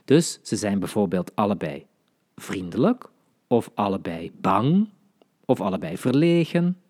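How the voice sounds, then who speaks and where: A man's voice: lowish voice, sing-song, unhurried, darkish tone. A middle-aged man gives a podcast lesson for language teachers, explaining step by step with many fillers and tag questions.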